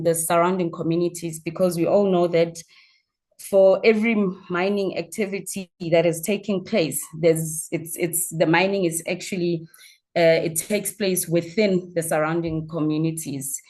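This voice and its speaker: A woman with a South African accent introducing herself as a guest speaker in an informal online talk, phrasing things haltingly with repeated words. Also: lowish voice, a little mellow. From Mpumalanga, South Africa. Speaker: guest speaker, mining entrepreneur. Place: online video call.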